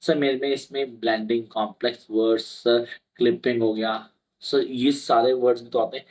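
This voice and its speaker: A man's voice: medium pitch, flat delivery, moderate pace, darkish tone, rough recording. A young adult man tutoring for an English exam in a casual mix of Hindi and English, chatty and reassuring, acting out his students' questions. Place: indoor room with a whiteboard behind him.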